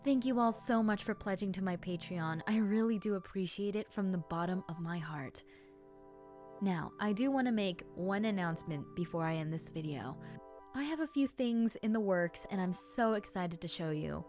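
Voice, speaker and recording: A woman's voice: medium pitch, animated, normal speed, darkish tone. A woman video creator giving a friendly channel sign-off and announcement to her audience. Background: faint music.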